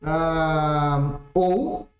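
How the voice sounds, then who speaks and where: High-voiced math teacher. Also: male voice, fairly even intonation, extremely slow. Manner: explanatory, checks in constantly with "tá?". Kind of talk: recorded exam-prep lesson. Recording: roomy echoey room.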